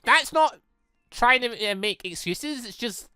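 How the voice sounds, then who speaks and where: A gamer reading as an excitable, flustered young woman. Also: medium pitch, unhurried, smooth, no room sound, studio quality, pitched above the performer's own voice. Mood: flustered, apologetic. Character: excitable, eager young woman in a visual novel. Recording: music behind the voice.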